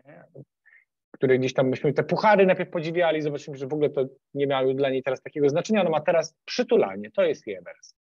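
A man from eastern Poland tells a casual story on a video call. His voice sits fairly high and he brings the quoted lines to life. The sound is dry and a little muffled. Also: quick pace, no echo. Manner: animated, acts out quoted speech. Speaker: guest speaker.

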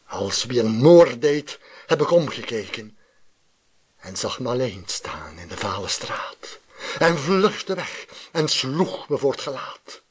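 Man, dramatic poetry recital, slow delivery, husky voice, theatrical swings from outburst to hush. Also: medium pitch, sing-song. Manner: theatrical, swinging between loud outbursts and hushed phrases.

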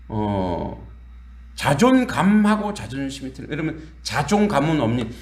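A man preaching a sermon as pastor, in a conversational, animated way with quoted dialogue and laughter. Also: fairly high pitch. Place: church sanctuary. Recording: echoey church hall.

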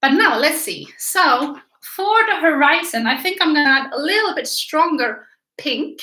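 A woman's voice: sits high, animated, a little slow, pushed and bright. A woman in her thirties with a Swedish accent, chatting to viewers as she leads a live paint-along lesson. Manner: chatty, encouraging, talks to viewers while painting. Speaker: art teacher. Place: small indoor room by an easel. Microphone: camera a few feet away, turns away at times. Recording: echoey room.

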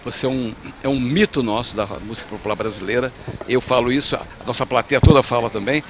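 A man's voice: medium pitch, fast, noisy background. An older man with a Carioca Brazilian accent, hosting a television interview and putting questions to his guest. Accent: Carioca Brazilian Portuguese. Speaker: TV host, interviewer. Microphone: handheld interview microphone.

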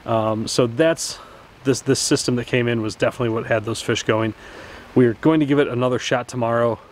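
A man's voice: mid-range voice, fairly quick, a little hiss or hum. A man in his thirties hosting a fishing channel, talking casually to the camera outdoors at night with plenty of "uh" and "so". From Wisconsin. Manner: relaxed, chatty, plenty of "uh" and "so". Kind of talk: casual vlog talk to camera. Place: outdoors at night beside a car.

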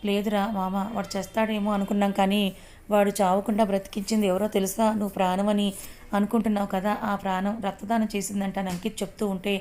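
A goading young sidekick in a storybook reading, voiced by a woman. Quick and level in tone. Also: medium pitch, little pitch movement, darkish tone, slight background noise, close to an everyday voice. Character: young man, gossiping sidekick friend.

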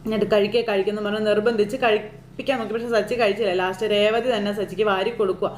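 A woman casually retelling a TV serial episode in a chatty, animated way, often turning to the listener with little asides. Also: mid-range voice, racing, a little hiss or hum. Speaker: serial recap storyteller. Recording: echoey room.

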